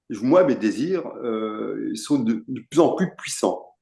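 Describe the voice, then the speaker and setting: A man's fairly high-pitched voice with vocal fry, a dark, mellow tone and very wide pitch swings. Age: 60s. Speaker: discussion participant. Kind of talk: group discussion. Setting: video call.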